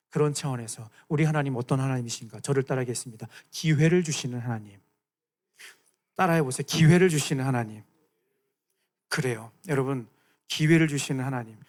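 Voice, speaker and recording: A man's voice: medium pitch, a little mellow. A man preaching a playful sermon to students as their youth pastor, acting out voices and asking them questions.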